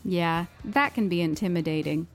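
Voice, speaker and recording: A woman co-hosting an English-learning podcast, explaining things in a clear, friendly way. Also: lowish voice, normal speed, soft background music. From United States. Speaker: podcast co-host.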